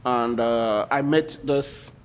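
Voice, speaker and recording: A man's voice: medium pitch, takes it slowly. A man with a Nigerian accent, a podcast guest telling stories in casual chat, laughing often and repeating words as he starts.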